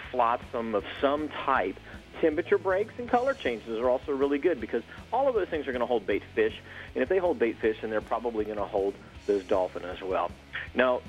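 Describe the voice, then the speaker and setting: A man's voice: mid-range voice, highs cut off. A man from Florida, a regional fishing captain, giving an easygoing fishing report with plenty of fillers. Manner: relaxed, explanatory, with fillers.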